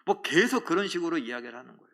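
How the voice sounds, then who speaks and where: A man's voice: on the high side, very animated, rapid-fire, creaky, a bit bright. A male pastor preaching a sermon, telling a story and asking the congregation questions. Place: church.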